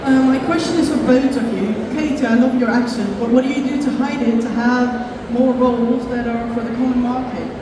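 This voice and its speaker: A woman's voice: fairly high pitch, steady tone, brisk. A woman in the audience asking the panel a question, politely and a bit hesitantly. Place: large indoor convention hall. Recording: echoey hall from far off, noisy.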